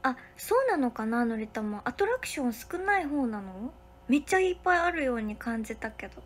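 A young woman, hosting a casual livestream from a hotel room and thanking viewers for their comments one by one, sometimes dropping to a soft whisper. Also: fairly high pitch, very animated, a little fast. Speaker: livestream host.

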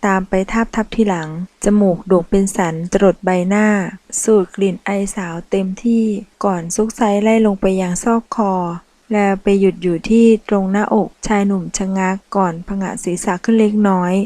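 A woman narrating a romance novel as an audiobook, reading in a slow, measured way. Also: mid-range voice, fairly even intonation, warm tone, no echo, low-quality recording.

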